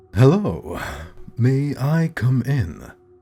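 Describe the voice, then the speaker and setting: A man's resonant, put-on character voice at a medium pitch, with faint music in the background. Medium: read story. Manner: cheerful, mocking, wheedling.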